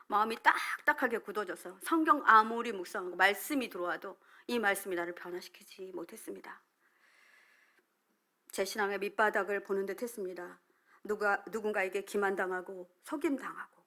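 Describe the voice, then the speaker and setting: A middle-aged woman pastor, speaking in a mid-range voice, gives a sermon built around her personal testimony, shifting between loud emphasis and hushed, whispered asides.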